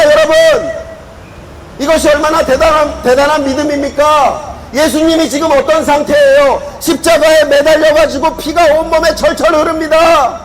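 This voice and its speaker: A man preaching a street sermon outdoors, emphatic and sometimes shouting, with music faint behind him. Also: very high-pitched, a little hiss or hum, low-quality recording. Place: outdoors at a station plaza.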